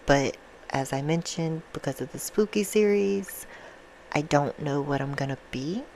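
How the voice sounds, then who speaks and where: A soft-spoken woman chatting casually and affectionately to her viewers in an ASMR style, with an informal, self-deprecating manner. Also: low voice, unhurried, slight background noise, low-quality recording. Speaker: ASMR video creator and host.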